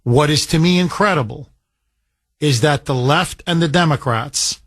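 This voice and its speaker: A man's voice: a little high, unhurried, a bit bright, dry recording, clean studio sound. A man hosting a talk radio show, taking callers and delivering emphatic commentary with repeated words.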